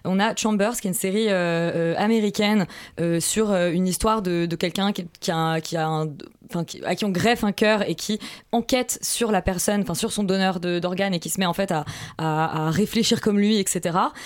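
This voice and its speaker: A woman hosts a radio film show in relaxed, chatty talk. She moves briskly from one segment to the next. Her tone is playful and light. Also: medium pitch. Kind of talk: casual radio chat.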